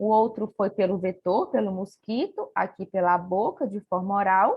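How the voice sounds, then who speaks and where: Somewhat breathy, a woman of medium pitch speaks with fairly even intonation. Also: fairly slow pace. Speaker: nursing school lecturer. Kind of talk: online lecture. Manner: halting.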